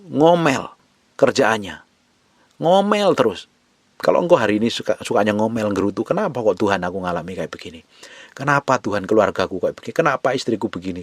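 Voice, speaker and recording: A man preaching a sermon, dropping to near whispers and then rising to loud, emphatic lines. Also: on the low side, dry recording. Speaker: pastor.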